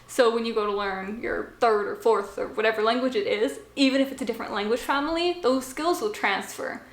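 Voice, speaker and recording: Young woman vlogger, casual and chatty, slightly high voice, echoey small room. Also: a little fast. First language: English. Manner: chatty, with frequent fillers and asides. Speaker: language-learning vlogger. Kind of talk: casual explanatory talk to camera. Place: small home office.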